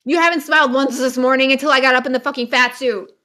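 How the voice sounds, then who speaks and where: A woman co-hosting a livestream, teasing and sharp-tongued, swearing freely in casual chat. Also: high voice, steady tone, fast. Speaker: livestream co-host.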